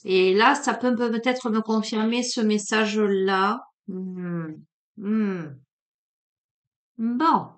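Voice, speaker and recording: A woman with a faint southern French accent, from Marseille, doing a casual oracle card reading, hesitant and drowsy, with many pauses and fillers. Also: mid-range voice. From Marseille, France. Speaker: card reader.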